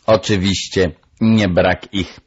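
A shrill, self-assured parrot hen lecturing her master, pitched well above the reader's own deep, slow voice, as a man puts her on. She preaches with pride and insistence in a storybook reading, and the recording sounds dull and lo-fi. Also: fairly even intonation, husky, full character voice. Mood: proud, lecturing. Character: proud lecturing female parrot.

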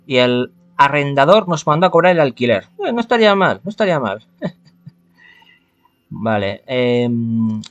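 A man's voice: mid-range voice, sing-song, measured pace, lo-fi sound. A man from reads a visual novel aloud, adding casual, wry commentary as he goes. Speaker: gaming streamer.

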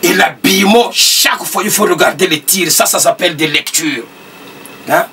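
A middle-aged man from the Republic of the Congo with a Congolese French accent, delivering a grandiose, flamboyant monologue to camera, mixing French and Congolese languages and breaking into shouts. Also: sits high, normal speed, background noise. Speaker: singer and sapeur. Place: recording studio control room, indoors. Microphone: distant camera mic. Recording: distant mic with music underneath.

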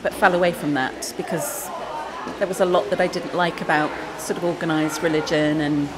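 A woman's voice: deep voice, steady tone, normal speed, background noise. A woman in her forties talking earnestly and conversationally about joining a church community. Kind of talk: casual testimonial. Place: church hall.

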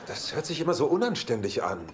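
A man's voice: fairly high pitch, big pitch swings, fast. An actor in a German sitcom dub playing a roguish womanizing bachelor, dry, flippant and shameless. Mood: rueful. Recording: TV soundtrack with faint noise.

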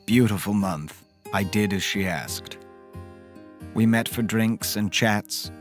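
Deep voice guy playing a smitten gentleman narrating a horror romance audio drama, faint music behind. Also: slow pace. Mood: wistful, sensual.

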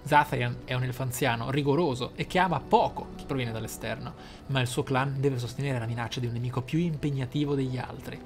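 A man's voice: mid-range voice, fast, few pauses. A man hosting a gaming channel, reading lore aloud expressively and musing on it in asides. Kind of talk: reading game lore aloud with off-the-cuff commentary. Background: game music.

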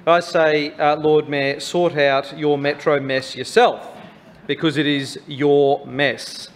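An Australian man speaking as an opposition councillor in a chamber debate, critical and halting, often repeating words. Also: fairly high pitch, level tone. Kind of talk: political debate speech. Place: large wood-panelled council chamber. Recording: reverberant council hall.

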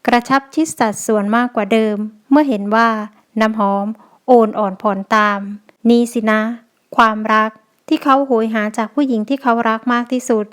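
A woman narrating a romance audio novel in a slow, gentle reading style. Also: fairly high pitch.

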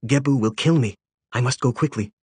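A man reading a storybook voices a frightened young Egyptian apprentice boy, anxious but quick-witted. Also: medium pitch, a little mellow, slightly rough, no room sound. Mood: fearful.

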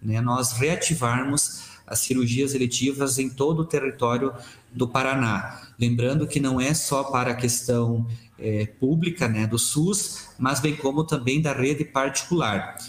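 A man in his thirties, a health secretary, giving a measured official statement on a video call from a small office. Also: medium pitch, steady tone, reverberant. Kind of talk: news interview statement. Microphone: webcam on video call.

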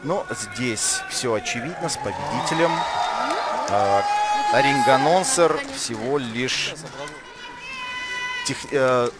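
A man's voice: medium pitch, takes it slowly, pauses often. A man giving live kickboxing commentary, analysing in short, broken phrases. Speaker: sports commentator. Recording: loud music and crowd noise behind. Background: arena music and crowd.

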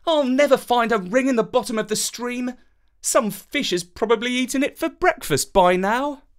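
A woman's voice: a little high, normal speed, voice pushed up, close to an everyday voice. A woman voicing a plucky, easily frustrated young man in a fairytale, boyish and emphatic.

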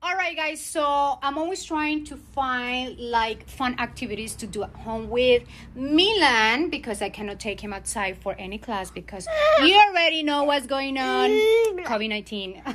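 A young mother vlogs from her home in a high, unhurried voice. She slips between chatty asides to her viewers and sweet baby talk. A faint hiss sits under the home recording. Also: expressive, fairly bright tone. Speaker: family vlogger, mother. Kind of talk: casual bilingual vlog talk to camera and baby. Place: at home, indoors.

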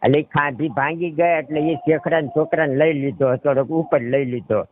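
His voice is a little high and moves at normal speed, heard over a tinny narrowband phone call with slight background noise. The caller, a middle-aged man with a Saurashtra Gujarati accent, rambles through a personal story and often checks that he's understood.

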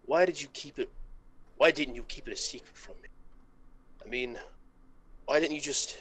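A man voicing a hurt, bitter adult male fox, pleading with halting intensity in an amateur comic reading. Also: medium pitch, fairly bright tone, slightly rough. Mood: bitter, resigned.

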